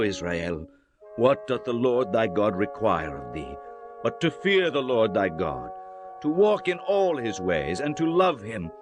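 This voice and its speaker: Solemn male prophet, actor-voiced, declamatory scripture audiobook delivery, wide-ranging intonation, clear musical bed underneath. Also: mid-range voice. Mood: fervent exhortation. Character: solemn male prophet exhorting his people. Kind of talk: dramatized scripture audiobook reading.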